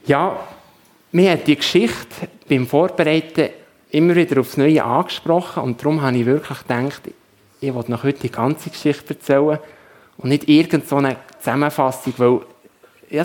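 A man, preaching a sermon in a gentle, conversational way. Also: fairly high pitch, moderate pace. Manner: gentle, conversational, addresses children. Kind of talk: sermon with storytelling.

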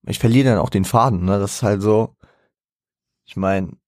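A man's voice: fairly low pitch, moderate pace, darkish tone, dry recording, studio quality. A young man chatting casually in German about a rap album, rambling and correcting himself as he goes. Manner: rambling, self-correcting, laughs often. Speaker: podcast host. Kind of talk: casual music commentary.

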